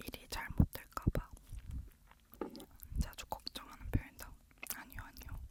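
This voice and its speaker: The voice is whispering at a fairly slow pace. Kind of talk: ASMR whispering, personality test taken aloud. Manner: whispered, soft, slow.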